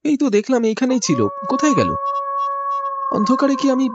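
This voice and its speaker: A man's voice: very high voice, big pitch swings, fairly quick, highs cut off, noisy background. A man voicing a stammering, frightened young man. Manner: stammering, fearful questions. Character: frightened young man walking home at night. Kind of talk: cartoon voice acting.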